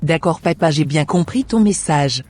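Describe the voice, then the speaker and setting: A woman voicing an obedient, devout teenage daughter in an animated Christian drama, with polite scripted phrasing. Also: deep voice, moderate pace. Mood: obedient, grateful. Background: faint music.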